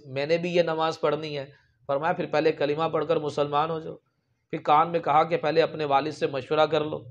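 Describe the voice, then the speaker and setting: A man's voice: a little high, muffled recording. A man preaching a sermon, telling religious stories with emphatic raised peaks. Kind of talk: storytelling sermon.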